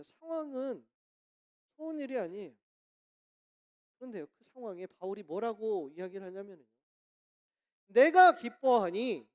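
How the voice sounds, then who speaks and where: A woman pastor preaching a sermon in church, lively and asking the congregation questions. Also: medium pitch. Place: church sanctuary.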